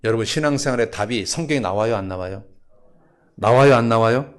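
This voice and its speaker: A man's voice: medium pitch, brisk. A male pastor preaching a sermon, keeps asking the congregation questions and telling a story with acted voices.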